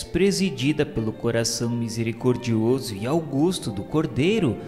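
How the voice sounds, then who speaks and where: A Brazilian man reading scripted narration for a religious radio serial in a solemn, formal, literary manner. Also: medium pitch. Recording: long hall reverb. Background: music.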